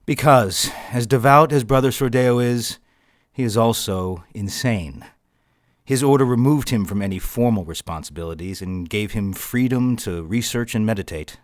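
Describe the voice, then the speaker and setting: An actor playing a grave, learned Catholic bishop in an audio drama, speaking in a measured, formal way. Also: male voice, mid-range voice, no echo, clean studio sound, natural voice.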